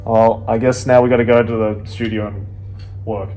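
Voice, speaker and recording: A man's voice: on the low side, level tone, normal speed, mellow, faint music behind, poor audio. A man co-hosting a podcast, talking in a casual, chatty way. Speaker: podcast co-host. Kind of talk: casual chat.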